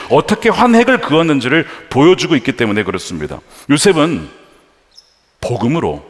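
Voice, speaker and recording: Emphatic male pastor in an echoing church. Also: a little high. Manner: emphatic preaching with rhetorical questions to the congregation. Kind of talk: sermon. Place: large church sanctuary. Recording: long church-hall reverb.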